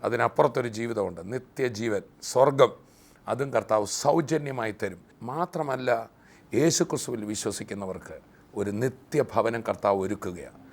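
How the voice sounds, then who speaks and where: A man who hosts a Christian TV program leads a fervent prayer for healing, his declarations rising loud and emphatic, then gives a closing message. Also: medium pitch, normal speed. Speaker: TV program host and preacher.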